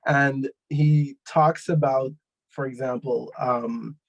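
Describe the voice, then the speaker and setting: Man with a gravelly voice. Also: mid-range voice, fairly even intonation, slow, highs cut off. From Guyana. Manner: thoughtful, explanatory, with frequent fillers. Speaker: panelist. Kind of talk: online panel discussion.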